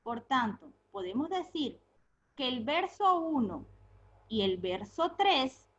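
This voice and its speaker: A woman teacher giving a recorded remote lesson, patiently asking her pupils questions, answering them herself and repeating key words slowly. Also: sits high, big pitch swings, lo-fi sound.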